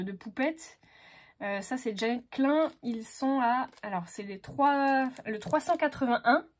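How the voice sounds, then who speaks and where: A crafting vlogger with a fairly high voice chats casually while unboxing craft stamps, hesitant and full of fillers. She talks to herself as she sorts the items, with a little hiss or hum in the background.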